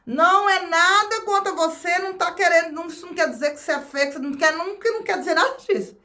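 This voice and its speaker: High-voiced chatty Brazilian woman. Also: fast talker, sharp tone. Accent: Brazilian Portuguese. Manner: chatty, repeats phrases, addresses viewers as "gente". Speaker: vlogger. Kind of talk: casual chat to camera.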